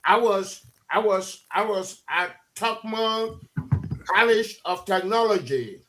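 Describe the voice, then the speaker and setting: A man's voice: high-pitched, slow pace, a bit bright, slight background noise, rough recording. A man from Liberia with a Liberian English accent, a guest in a heated live radio debate who insists and repeats words to hold the floor. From Liberia, Maryland County. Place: radio studio.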